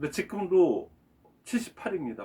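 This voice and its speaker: A man speaks with lively intonation. He has an unremarkable speaking voice. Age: 60s. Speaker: network marketing business leader. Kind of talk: lecture. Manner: conversational, with fillers.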